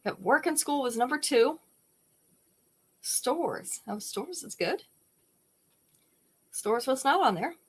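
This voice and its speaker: A chatty woman with a slightly high voice hosts a live jewelry sale. She talks in a relaxed, conversational way, describing each piece and greeting viewers by name. Her delivery is friendly and unhurried. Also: slightly rough. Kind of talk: casual live-stream sales chat.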